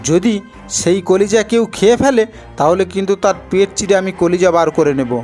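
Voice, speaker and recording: A woman's voice: mid-range voice, normal speed, a little mellow, faint music behind, close to an everyday voice. A woman voicing a ruthless male jeweller, the villain of a cartoon folk tale, emphatic and threatening. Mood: coaxing, menacing.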